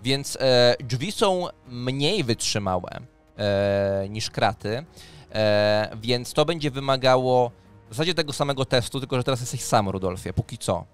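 A man narrating a tabletop role-playing game as game master, pausing deliberately as he describes scenes. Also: mid-range voice, lively intonation, clear, resonant tone. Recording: music under the voice. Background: background music.

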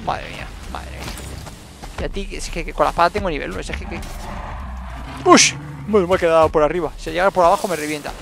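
Brief: high-pitched man with a gravelly edge, calling out gameplay in excited repeated bursts, faint game noise behind. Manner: excitable, repeats words in rapid bursts, talks to himself. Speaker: gaming YouTuber. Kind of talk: live gameplay commentary.

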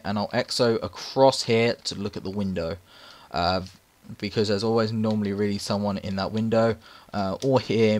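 A hoarse, raspy man narrating casual gameplay tips over footage, rambling with many fillers. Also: on the low side. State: hoarse from repeated takes. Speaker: gaming channel host.

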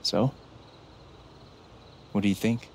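An actor playing a calm, encouraging older brother in a video game drama, speaking gently and reassuringly. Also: male voice, a little hiss or hum. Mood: warm, encouraging. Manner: slow, tender, reassuring.

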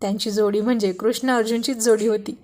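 A woman narrating a romance serial with steady, expressive reading. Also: fairly high pitch, quick pace. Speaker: storyteller.

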